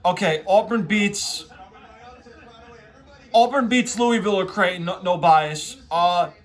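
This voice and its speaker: A man talking like an excitable frat bro, hosting a casual, off-the-cuff sports reaction full of slangy asides. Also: sits high, takes it slowly. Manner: excitable frat-bro talk, heavy on "bro" and "dude". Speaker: host reacting to a tournament bracket.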